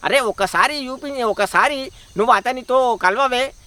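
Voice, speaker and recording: A man's voice: very high voice, unhurried, sharp tone, exaggerated voice. A man with a Telangana accent voicing a crude, scheming village husband who bosses his wife in a folk tale. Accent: Telangana Telugu. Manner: bossy, crude.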